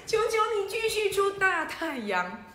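A bold, excitable storybook mom, voiced by a woman, loud and shrill. Her lively voice jumps high, with a roomy echo behind it. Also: normal speed. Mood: excited. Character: bold, excitable young mother.

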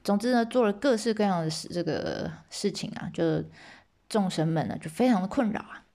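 A woman's voice: mid-range voice, lively intonation, fairly quick, dark tone. A woman casually retelling a myth, playful and chatty, with asides to listeners. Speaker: storyteller host.

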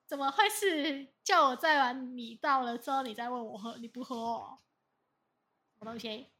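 A woman chats casually on a podcast. Her voice sits high and sounds bright and sharp. She tells stories with animation and acts out the people she quotes. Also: moderate pace. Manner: animated storytelling, quoting others in voices. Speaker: podcast co-host. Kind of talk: casual chat.

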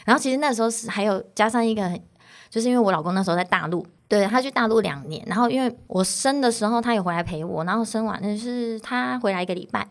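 A woman's voice: mid-range voice, fast. A woman in her thirties with a Taiwanese Mandarin accent, a mother of three, talking candidly in a casual interview and laughing between phrases. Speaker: podcast guest, mother of three.

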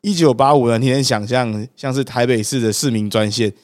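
A man's voice: mid-range voice, brisk, no echo, studio quality. A young man with a Taiwanese Mandarin accent, a podcast co-host telling stories and making wry, joking asides. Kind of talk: casual storytelling chat.

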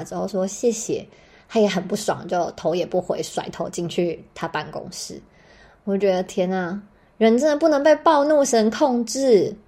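A young woman with a Taiwanese Mandarin accent, hosting a podcast and telling a personal story in an animated, dramatic way with casual swearing. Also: mid-range voice, breathy edge. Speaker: podcast host.

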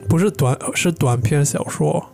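A man's voice: fairly high pitch, a little slow, vocal fry, warm tone, soft background music. A man who is an English speaker speaks in casual co-host chat, searching for words and mixing in English. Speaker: podcast co-host. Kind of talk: casual chat in learner's Mandarin.

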